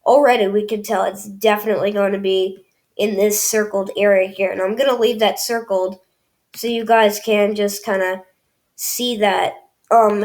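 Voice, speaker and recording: A woman's voice: medium pitch, a little mellow. A young woman with a cold, casually walking viewers through a weather forecast, chatty and full of fillers and restarts. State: has a cold, clears throat. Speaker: weather channel host.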